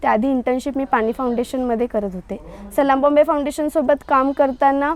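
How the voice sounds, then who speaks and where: In a Maharashtra accent, a woman speaks with a high pitch. Her intonation stays fairly even. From Mumbai, India (Kurla). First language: Kaikadi (speaking Marathi). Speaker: photographer. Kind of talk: interview monologue.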